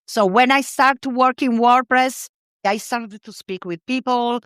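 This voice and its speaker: Italian woman, halting non-native English. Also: fairly high pitch, fairly bright tone, smooth, dry recording, studio quality. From Italy. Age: middle-aged. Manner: halting, searching for words, laughs easily. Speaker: podcast guest. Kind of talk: casual interview conversation.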